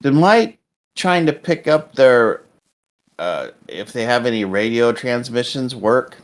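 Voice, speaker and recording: A man playing a tabletop game, relaxed and playful with quiet enthusiasm. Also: mid-range voice, takes it slowly. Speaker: player. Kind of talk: casual tabletop play.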